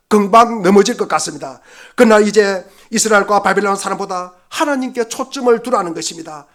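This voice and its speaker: A man preaching a Sunday sermon as pastor, fervent and emphatic, repeating phrases and dropping to hushed passages. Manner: fervent preaching, swinging from loud exhortation to hushed low passages.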